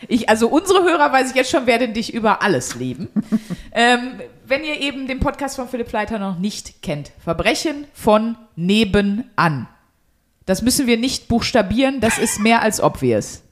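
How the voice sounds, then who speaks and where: A woman's voice: a little high, sing-song, normal speed. A woman co-hosting a podcast in casual, cheeky banter with crude joking. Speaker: podcast co-host. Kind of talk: casual banter among podcast hosts and a guest.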